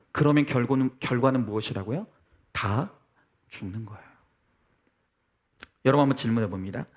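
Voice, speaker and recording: A male pastor delivers a Sunday sermon in church, leaning on rhetorical questions and direct address to the congregation. His voice sits high for a man and swings widely in pitch as he preaches with earnest conviction. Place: church service.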